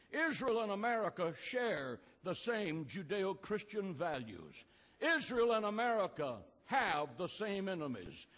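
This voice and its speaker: Older man, pastor-orator, high lively pitch, slow deliberate delivery, long reverb of an outdoor rally. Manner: slow, emphatic, repeated refrains, rising to shouts. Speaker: pastor giving a speech. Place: outdoor rally at an ancient port.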